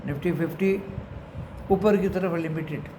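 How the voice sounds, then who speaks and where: An Indian man with a slightly high voice speaks in an echoey room with clear noise behind him. He gives unscripted market commentary as a channel host. He often slips into English phrases and addresses his viewers as friends. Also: measured pace, warm tone.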